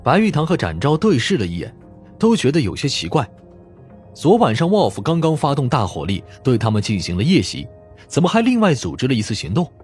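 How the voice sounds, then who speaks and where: A man's voice: mid-range voice, wildly swooping pitch, brisk, darkish tone, soft background music. A man reading a mystery novel as a scripted audiobook narration.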